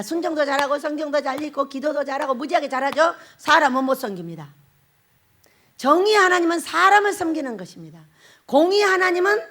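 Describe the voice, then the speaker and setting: Woman pastor, sermon, high voice, lively swooping pitch, frequent laughter. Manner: animated, laughs often, asks the congregation questions.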